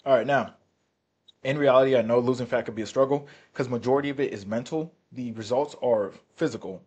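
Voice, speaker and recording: A man's voice: mid-range voice, brisk, a little mellow, husky. A man coaching viewers on fat loss, talking bluntly and casually with some swearing, often checking in with "right?". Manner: blunt, profane, repeats "right?" and "all right?". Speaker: fitness coach. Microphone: turned-up mic, quiet recording.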